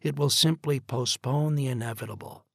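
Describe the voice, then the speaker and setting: A man voicing a weary male doctor who speaks in a tired, cold, measured way. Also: medium pitch, vocal fry, no room sound, clean studio sound, voice pushed up. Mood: grim.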